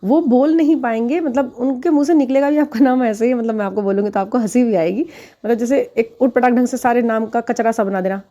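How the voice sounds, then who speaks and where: A woman who gives spiritual readings talks straight to her viewers in a loose, chatty way. Her voice sits a little high and sounds soft and mellow. She breaks into laughter at her own examples. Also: brisk. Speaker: spiritual relationship reader. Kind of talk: casual advice talk to viewers.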